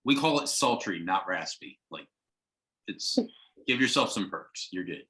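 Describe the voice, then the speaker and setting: A man's voice: sits low, expressive, a little slow, pushed and bright. A man on the call teasing the speaker in a joking way. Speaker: participant on the call.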